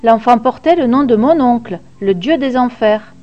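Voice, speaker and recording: A woman's voice: a little high, expressive, moderate pace, dull audio, lightly acted. A woman reading the inner thoughts of a puzzled young male god messenger in a storybook tale, in a wondering, thoughtful manner.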